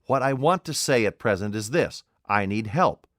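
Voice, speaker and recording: In an audiobook, a man with a lowish, natural voice plays a commanding, desperate invisible man, an adult male, speaking in a curt, imperious, cold way. The mood is intense, with lively intonation at a moderate pace. The recording is dry and studio-clean.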